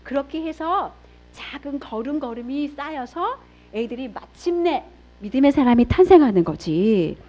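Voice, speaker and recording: Animated woman preaching at a church seminar. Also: high voice, moderate pace, faint music behind. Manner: expressive storytelling, acts out voices, swings between loud and hushed. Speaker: pastor's wife giving a seminar talk. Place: church hall. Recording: dull lo-fi sound.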